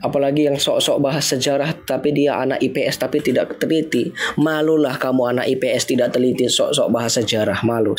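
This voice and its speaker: An Indonesian man hosting a casual Christian livestream, talking emphatically with lots of repetition and a mocking edge. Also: medium pitch. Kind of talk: informal livestream talk answering viewers.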